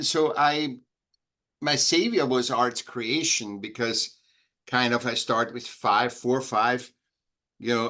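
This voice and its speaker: A middle-aged Austrian man with an Austrian German accent is a guest in a conversational interview. He speaks in a halting but animated way with a mid-range voice, frequently restarting his sentences.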